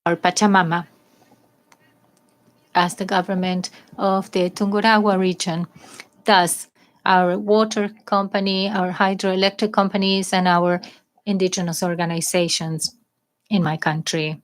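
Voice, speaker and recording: A woman working as a live interpreter, rendering a formal speech in measured, halting phrases. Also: fairly low pitch, flat delivery.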